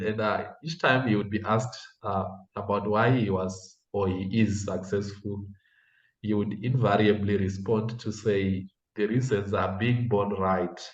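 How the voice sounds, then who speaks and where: A young man from Zimbabwe, a guest in a casual interview, speaking in a measured, earnest way with frequent hesitations. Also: on the low side, a little mellow, echoey room, dull audio. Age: young adult.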